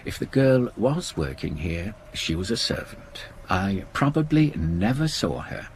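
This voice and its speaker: An actor playing an exasperated, dismissive husband in a radio horror play, irritable and sardonic. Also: male voice, on the low side, very animated, unhurried. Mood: weary, defensive. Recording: noisy 1980s radio drama recording.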